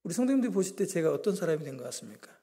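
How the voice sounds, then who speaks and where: Middle-aged male guest preacher, raspy fry-edged voice, humorous self-deprecating testimony. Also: a little high, sing-song, rapid-fire, dark tone. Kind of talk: sermon testimony. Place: church.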